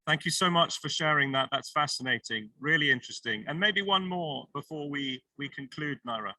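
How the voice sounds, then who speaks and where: A man's voice: fairly high pitch, expressive, brisk, bright, forceful tone, no room sound, poor audio. A man moderating an online panel discussion, encouraging and thinking aloud as he goes. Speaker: session moderator.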